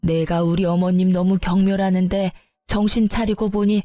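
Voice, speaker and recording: A woman voicing an older mother-in-law who coos at her granddaughter and apologizes remorsefully, with a slow, drawn-out manner. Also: mid-range voice, fairly even intonation, dark tone, dry recording, lightly acted. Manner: coaxing, drawn-out baby talk.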